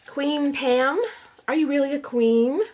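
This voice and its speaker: Her voice sits high, with a steady, darkish tone, and she takes things slowly. The speaker is a middle-aged YouTube crafter hosting a giveaway in a relaxed vlog, sounding out names and asking her audience questions.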